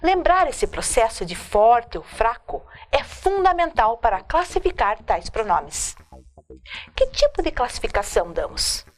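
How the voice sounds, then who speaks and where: A woman teacher giving a recorded grammar lesson, slowly and deliberately listing examples one by one at a board. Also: fairly high pitch, very animated, faint music behind. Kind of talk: video lecture on grammar.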